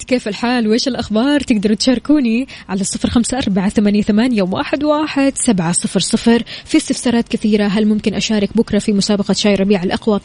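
A woman presenting a morning radio show in an upbeat, expressive, chatty way, talking straight to listeners. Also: mid-range voice. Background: music bed under the voice.

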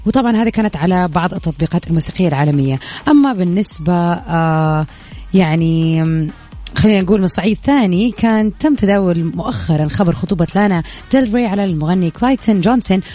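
A woman's voice: lowish voice, expressive, fast talker, warm tone. A woman hosting a music chart show like a late-night radio DJ, chatty and informal, dropping English words into her talk. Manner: mixes English words and phrases into speech.

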